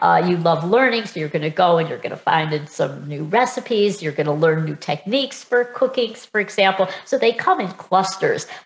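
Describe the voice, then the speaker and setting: Fairly quick speech from a woman at medium pitch, hardly any pauses, against noticeable background noise. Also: lively intonation. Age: 70s. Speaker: health coach trainer. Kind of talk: interview. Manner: animated.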